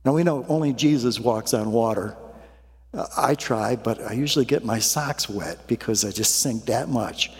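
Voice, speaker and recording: A man preaching a sermon, warming up with a folksy made-up story before turning to the gospel lesson. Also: medium pitch, normal speed, in a large hall. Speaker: pastor.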